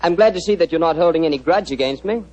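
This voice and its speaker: An actor as a jaunty, mischievous young student. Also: male voice, a little high, quick pace, darkish tone, natural voice. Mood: chummy. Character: young male medical student, chummy and mischievous. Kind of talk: 1940s radio acting. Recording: muffled old radio broadcast.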